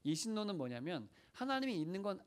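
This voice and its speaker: A man's voice: high voice, very animated, fast talker. A man preaching as senior pastor, telling stories earnestly and asking the congregation questions. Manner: earnest storytelling, acting out prayers and dialogue. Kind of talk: sermon.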